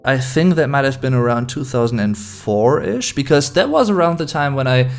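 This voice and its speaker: A German-accented man in his late twenties talks casually to his viewers in English. His voice sits in an ordinary middle pitch. He chats along loosely, slipping German words in between. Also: lively intonation, normal speed, soft background music. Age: late 20s. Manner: chatty, mixes in German words. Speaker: YouTube host. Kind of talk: casual chat to camera.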